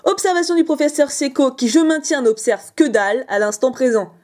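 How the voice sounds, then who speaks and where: A young woman hosting a casual, excited card-opening video, chatty and jokey. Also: high voice, brisk. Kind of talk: excited casual unboxing commentary.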